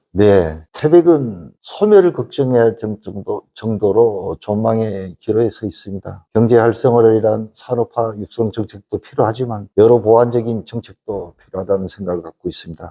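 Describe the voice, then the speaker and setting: A man talks at a moderate pace and medium pitch with ordinary pitch variation and hardly any pauses. His tone is dark and mellow, and the sound is dry and close with no echo. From Taebaek, Gangwon, South Korea. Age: 60s. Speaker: mayoral candidate. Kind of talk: interview. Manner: halting, frequent fillers.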